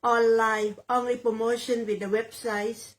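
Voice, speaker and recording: Her voice is on the high side with little pitch movement, and the audio is poor. She's a woman in her sixties from Thailand who sells real estate, responding to an interviewer in halting English with a Thai accent and often repeating phrases as she hunts for words.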